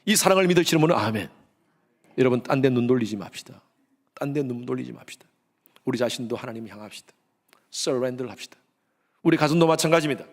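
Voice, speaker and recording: A middle-aged man preaching a sermon as pastor, swinging between loud exhortation and hushed, low tones. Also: expressive, fast, pauses often.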